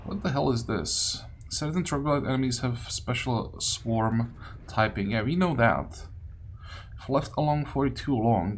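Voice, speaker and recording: A man's voice: medium pitch, a little hiss or hum. A man giving casual gameplay commentary, hesitant and thinking aloud as he plays. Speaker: gaming video host. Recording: loud game music underneath. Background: video game music.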